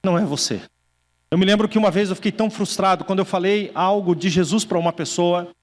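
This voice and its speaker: A male pastor preaching a sermon, telling stories, acting out quoted voices and slowing down for emphasis. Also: sits high, big-room sound. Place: church hall.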